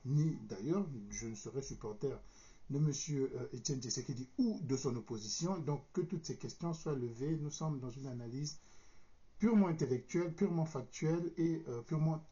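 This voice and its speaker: Mellow Congolese-accented man, dull recording. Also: mid-range voice. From Republic of the Congo. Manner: formal, deliberate, hesitant pauses while searching for words. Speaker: commentator giving a political analysis. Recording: dull, lo-fi sound.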